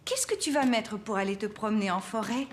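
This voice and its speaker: A woman voicing a patient, encouraging young cartoon mother, gentle and explanatory. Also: medium pitch, brisk, slight background noise, close to an everyday voice. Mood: patient, caring. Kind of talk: children's cartoon dubbing.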